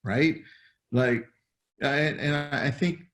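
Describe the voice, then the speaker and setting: A man's voice: medium pitch, very slow, a bit bright. A man hosting a casual interview who repeats words as he steers the talk. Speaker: host. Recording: roomy echo.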